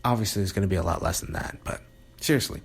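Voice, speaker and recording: A man's voice: deep voice, racing, gravelly, slightly rough. A man talking in a rambling, sarcastic monologue, often breaking off and restarting. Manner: rambling, sarcastic, self-interrupting with laughs. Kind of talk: casual monologue.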